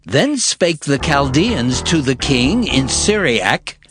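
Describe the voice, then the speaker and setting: A man narrates scripture in a solemn storytelling style. His delivery is slow and deliberate, yet the pitch rises and falls widely, over clearly audible music. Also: very animated.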